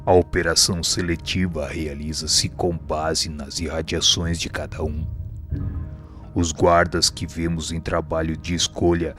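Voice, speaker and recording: A man plays a wise, humble spirit mentor in a radio drama. The voice is low and flat in melody, calm and formal as it explains, over music. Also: measured pace. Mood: calm, instructive.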